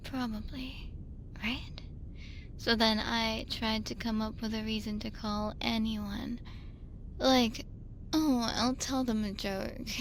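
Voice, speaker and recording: A woman performs a tipsy, lonely young woman in an ASMR roleplay voicemail. Her voice is fairly high with a heavy creak, and she drags her words out extremely slowly. She rambles, hesitates and slips into giggly asides. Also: a little hiss or hum.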